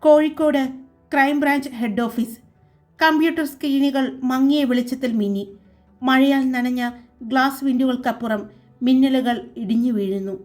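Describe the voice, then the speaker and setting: A woman with a high voice narrates a story in a calm, dramatic manner. Faint music plays underneath as she reads the scripted narration at an even pace.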